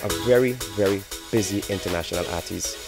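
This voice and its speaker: Deep gravelly male interviewer. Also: fairly quick, loud music behind the voice. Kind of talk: interview questions.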